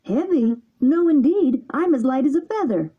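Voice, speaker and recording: A woman voicing a desperate, impulsive wooden boy puppet, pleading in a high tearful voice. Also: lively intonation, normal speed. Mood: eager. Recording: dull lo-fi recording.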